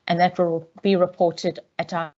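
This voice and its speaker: A woman auditor, heard over a video call line, gives a measured, businesslike briefing to a council committee, with frequent ums. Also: on the low side, level tone, dark tone. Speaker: external auditor presenting a report. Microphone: remote call audio. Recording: dull, lo-fi call audio.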